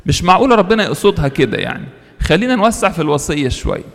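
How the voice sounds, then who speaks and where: A man preaching with an Egyptian accent and a voice pitched a little high. He talks quickly, acting out the voices of the people in his stories. The sound carries a long echo, as in a church hall. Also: big pitch swings, creaky, fairly bright tone. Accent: Egyptian Arabic. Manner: acts out dialogue of characters in the stories. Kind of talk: sermon storytelling.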